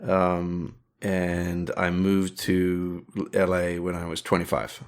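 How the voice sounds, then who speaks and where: Slow and monotone, this low male voice belongs to a middle-aged director and animator from South Africa. He's a guest in a relaxed interview, wandering through his answers with frequent fillers and false starts.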